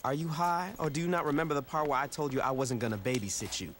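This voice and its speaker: An actor playing a blunt, sarcastic, foul-mouthed gang leader in a video game. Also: male voice, a little high, quick pace, fairly bright tone, a little hiss or hum, close to an everyday voice. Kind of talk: video game cutscene acting.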